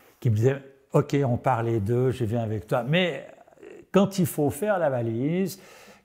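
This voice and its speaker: A man with a dark, mellow tone talks fairly slowly, somewhat breathy and with lively intonation. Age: 80s+. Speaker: former long-distance traveler. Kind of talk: interview testimony.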